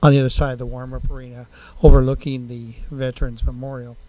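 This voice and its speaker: Halting, plain-spoken man at a meeting. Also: mid-range voice, little pitch movement, warm tone, poor audio. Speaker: city council member. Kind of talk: public meeting discussion.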